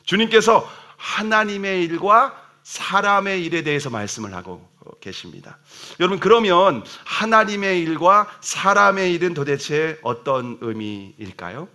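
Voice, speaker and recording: A man's voice: high voice, big pitch swings, unhurried, bright, forceful tone. A man, the senior pastor, preaching a sermon to his congregation, emphatic and asking questions, acting out dialogue. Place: church sanctuary.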